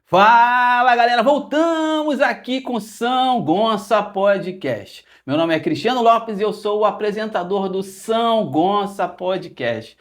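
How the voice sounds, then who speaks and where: Faint music plays behind a podcast host with a Rio de Janeiro area Brazilian Portuguese accent, who keeps things joking and playful in a casual interview chat with his guest. He speaks slowly in a high, expressive voice, with hardly any pauses.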